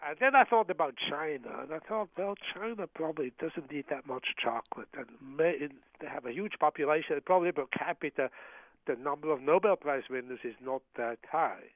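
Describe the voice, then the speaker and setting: Interview guest: a man from Switzerland, measured and halting, on a tinny dry phone line. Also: on the high side, dry recording. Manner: measured, hesitant with frequent uh fillers and restarts. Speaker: guest, professor of medicine.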